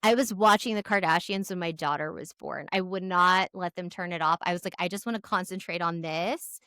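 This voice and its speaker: Female podcast co-host, gossipy and candid, bright medium-pitched voice, close dry sound. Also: brisk, clear, resonant tone, dry recording. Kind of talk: casual chat.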